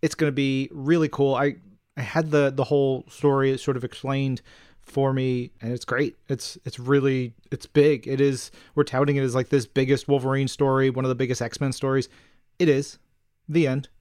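A man's voice: mid-range voice, little pitch movement, normal speed, darkish tone, smooth, no room sound, studio quality. A man co-hosting a podcast in casual promotional fan chat, speaking with an enthusiastic, emphatic, jokey manner. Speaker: podcast co-host.

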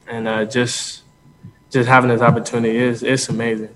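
A man, a college football player, answering reporters in a halting, earnest way with many repeated words. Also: little pitch movement. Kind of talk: press conference answers. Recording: echoey hall with faint rumble.

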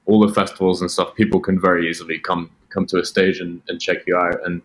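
Deep-voiced man with Australian-sounding British accent. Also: level tone, quick pace, rough recording. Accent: British mixed with American, sounds Australian. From Britain. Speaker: podcast guest, music producer. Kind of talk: casual chat.

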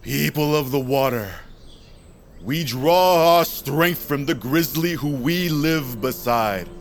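An actor playing a grandiose, reverent tribal orator giving a ceremonial speech in an audio drama, with theatrical pauses. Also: male voice, on the high side, faint music behind.

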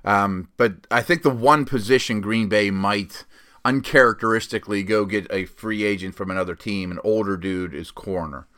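A man's voice: fairly low pitch, moderate pace, fairly bright tone. A stuffed-up man hosting a casual football podcast on his own, talking in a loose, rambling way full of fillers and self-corrections. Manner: rambling, lots of fillers and restarts. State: sniffly, stuffed up. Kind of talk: casual solo sports commentary.

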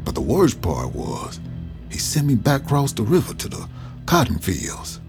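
Brief: older man narrating, very low voice with lively pitch, soft music under. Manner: slow, plainspoken, folksy. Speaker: narrator recalling his youth. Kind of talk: storytelling in an interview.

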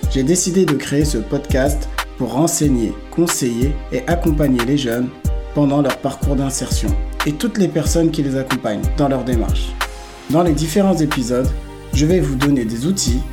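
A man's voice: mid-range voice, normal speed, music in the background. A man hosting a podcast, reading a scripted intro and then chatting casually with a guest. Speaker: podcast host. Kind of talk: podcast interview.

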